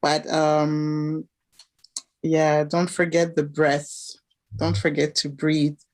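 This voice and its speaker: Slow, low-voiced woman. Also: monotone. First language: French. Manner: gentle, hesitant, with many fillers. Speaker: guest elder. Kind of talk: online broadcast talk, offering blessings. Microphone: video call.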